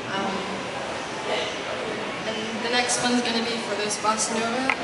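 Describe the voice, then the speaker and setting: A woman's voice comes through audible room echo and loud background noise. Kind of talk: stage banter between songs. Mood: amused, laughing. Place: market.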